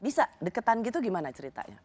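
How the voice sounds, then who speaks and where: A woman's voice: medium pitch, big pitch swings, racing, a little mellow, a little hiss or hum. A woman hosting a TV interview, asking short, probing follow-up questions. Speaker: talk show host.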